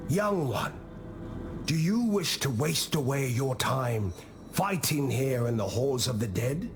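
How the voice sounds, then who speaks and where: An old tribal diplomat from a fantasy video game. He speaks very slowly at a medium male pitch, weighing his thoughts like a patient, philosophical teacher with a gently stern side. Music plays clearly behind the voice. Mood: gently challenging. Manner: measured, solemn, philosophical storytelling. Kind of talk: scripted video game character monologue.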